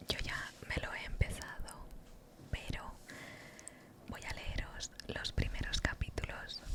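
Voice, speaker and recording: Whispering at a very slow pace with long, frequent pauses, the voice sits over noticeable background noise. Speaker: ASMR creator. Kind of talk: casual talk to camera. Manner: soft-spoken, whispered.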